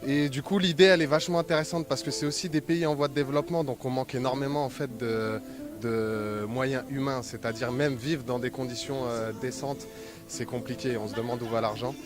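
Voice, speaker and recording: A man's voice: medium pitch, steady tone, a little fast. A man from France answering an interview, rambling and hesitant, with many fillers. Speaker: workshop participant. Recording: music playing over the voice.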